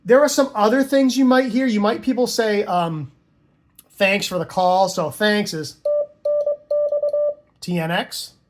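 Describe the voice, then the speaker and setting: A man's voice: sits high, steady tone, unhurried, pauses often. A man explaining radio operating lingo in an informal, conversational tutorial style, with casual asides. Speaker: amateur radio instructor and operator.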